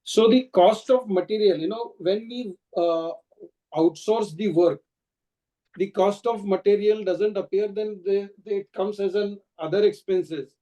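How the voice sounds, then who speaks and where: A man with an Indian accent answering questions as a company executive on a conference call, explaining in halting, restarted phrases. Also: sits high, warm tone, rough recording. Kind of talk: earnings call answers, spontaneous speech.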